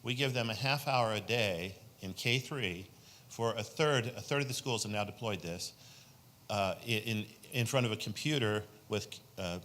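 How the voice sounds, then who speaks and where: Speaking from the floor at a conference session, a male state senator asks a question that turns into a long, earnest promotion of a program. His voice is on the low side with a sharp tone.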